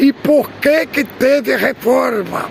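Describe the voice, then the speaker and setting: A man speaks in an animated tone amid noticeable background noise. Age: 60s. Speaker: evangelical YouTube commentator. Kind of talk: religious opinion monologue. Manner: animated, repetitive emphasis.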